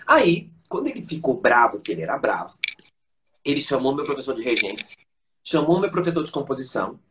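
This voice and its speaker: Against a noisy background, a male voice teacher and conductor tells stories as a guest on a live-stream interview, speaking fairly quickly in a mid-range voice. He's an animated storyteller who acts out the voices of the people he quotes.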